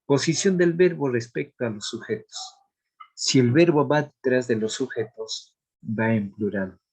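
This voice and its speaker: A male teacher walks through grammar rules at an unhurried, measured pace. He reads each example carefully and pauses to check that the class follows. His voice sits at an ordinary middle pitch. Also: darkish tone, breathy edge. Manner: slow, deliberate explanation of examples; asks checking questions of the class. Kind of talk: grammar lesson.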